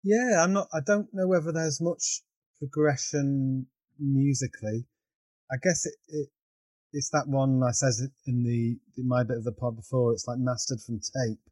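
A man's voice: mid-range voice, steady tone, normal speed, darkish tone, no echo. A man guest on a music podcast, talking hesitantly and trailing off in casual chat.

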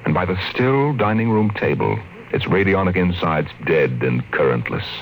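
An American actor playing a somber, theatrical storyteller, narrating an eerie 1950s radio drama with literary intensity. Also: male voice, sits low, expressive, moderate pace, vocal fry, low-quality recording. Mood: somber, hushed. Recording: old radio broadcast under loud music.

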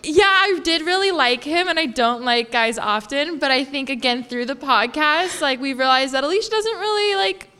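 Young woman on a live podcast, low-key, really high bright voice. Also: moderate pace, few pauses, slight background noise. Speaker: podcast co-host.

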